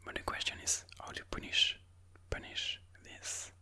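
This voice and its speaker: Bright ASMR whisper, hushed chess commentary. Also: unhurried. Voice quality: whispered, breathy, unvoiced. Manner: hushed, musing aloud move by move.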